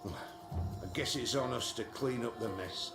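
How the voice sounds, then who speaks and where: A man voicing a resigned, dutiful worker in a video game, talking in an unhurried way. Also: mid-range voice, music in the background, close to an everyday voice.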